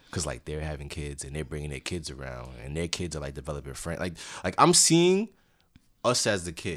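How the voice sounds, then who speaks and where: This very clean recording with a silent background has vocal fry, ordinary pitch variation and a fairly quick pace. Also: man, very deep, low pitch for a man. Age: 20s. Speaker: podcast host. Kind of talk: casual chat. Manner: stammering, repeats words.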